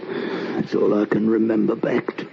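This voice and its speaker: An actor playing a haunted, confused drifter who rambles and stammers, in old radio drama style on a dull lo-fi recording. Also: male voice, lowish voice, monotone, a little slow, creaky, noisy background. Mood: brooding. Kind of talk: 1940s radio acting.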